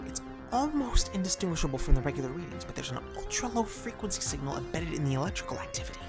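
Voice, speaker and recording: A pompous, fussy scientist, played by a male actor, lectures in precise, ornate phrases. His pitch swoops about excitably in this audio drama, with music playing behind him. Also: quick pace. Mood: excited.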